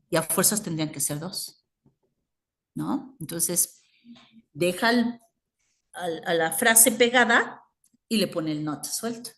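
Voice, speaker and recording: Slow-speaking Mexican woman teaching English. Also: on the low side. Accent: Mexican Spanish. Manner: explanatory, switches between Spanish and English. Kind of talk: bilingual grammar lesson.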